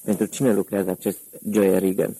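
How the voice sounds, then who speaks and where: Brief: a man doing a calm, menacing audiobook gangster, very deep, flat, dark. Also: husky, no room sound, low-quality recording. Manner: calm, quietly threatening. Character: menacing middle-aged male gangster, cold interrogator.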